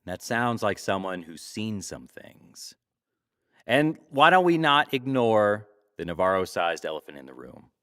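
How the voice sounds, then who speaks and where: An actor playing a glib, teasing talk show host in a sci-fi audio drama, wry, theatrical and probing. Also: male voice, lowish voice, sing-song, unhurried, bright, forceful tone, full character voice.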